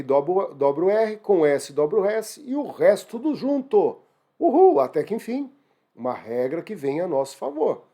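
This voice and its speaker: A man with a Brazilian Portuguese accent teaching an online exam-prep grammar lesson in a lively, exclamatory way. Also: on the high side. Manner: lively, exclamatory, addresses students as "gente".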